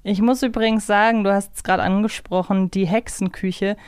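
Smooth, clear-voiced woman podcaster. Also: mid-range voice, fairly even intonation, brisk, a little mellow, dry recording, clean studio sound. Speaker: podcast co-host. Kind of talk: casual conversational discussion.

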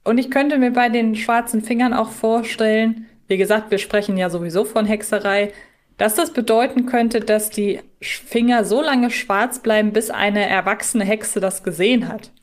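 A woman's voice: a little high, steady tone, normal speed. A woman hosting a podcast, talking casually and reflectively as she thinks aloud through the discussion. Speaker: podcast host.

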